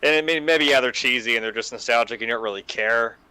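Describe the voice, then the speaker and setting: A man's voice: medium pitch, fast talker, sharp tone, smooth, no echo, poor audio. A man on a podcast panel chatting casually and enthusiastically as a fan, often saying "like". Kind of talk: casual chat.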